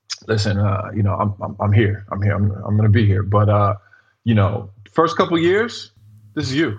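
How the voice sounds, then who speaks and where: The speaker has an American accent and sounds somewhat breathy. The delivery moves at a fairly quick pace. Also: man. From Long Island, New York. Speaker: father and podcast guest. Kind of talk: casual interview chat.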